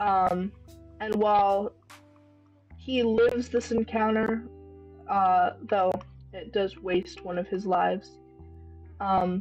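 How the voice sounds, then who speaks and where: Over music in the background, a woman speaks at a very slow pace with long, frequent pauses. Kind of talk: casual talk while drawing. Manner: hesitant, filler-heavy.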